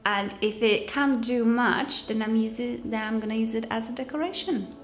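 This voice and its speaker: A woman's voice: on the high side, moderate pace. Young woman, roomy echo. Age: young adult. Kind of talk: casual vlog chat to camera. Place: sparsely furnished room with wooden floor, indoors.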